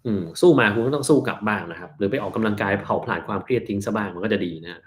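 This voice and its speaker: Speaking on the low side, a man who works as a doctor answers health questions sent in by viewers of his live stream. He reads them aloud first, keeps his answers simple and unhurried, and slows to define terms.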